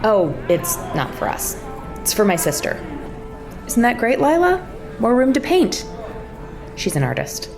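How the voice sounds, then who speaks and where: A woman's voice: fairly high pitch, huge pitch swings, a little slow, long pauses, heavily acted. A woman playing a bossy but concerned sister in an audio drama, speaking in a blunt, sarcastic, insistent way. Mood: brisk, upbeat. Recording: music underneath the voice. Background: background music.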